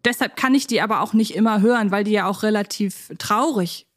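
A woman's voice: mid-range voice, brisk. A woman hosting a podcast in a casual, conversational chat style. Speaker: podcast host.

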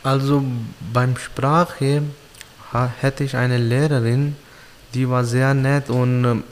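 A young man from Pakistan whose first language is Urdu, answering interview questions in simple, halting learner's German with many pauses. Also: mid-range voice, level tone, long reverb tail, slight background noise. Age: young adult.

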